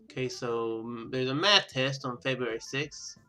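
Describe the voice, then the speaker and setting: A man doing casual let's play commentary, reading game text aloud and rambling as he thinks out loud. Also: mid-range voice, steady tone, moderate pace. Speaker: gaming video host.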